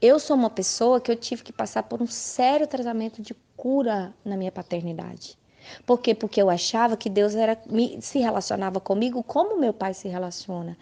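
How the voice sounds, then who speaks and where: A woman's voice: a little high, mellow. A woman with a Brazilian Portuguese accent, a Christian ministry leader speaking frankly and emphatically in a personal testimony talk. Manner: emphatic, frank, acts out quoted voices.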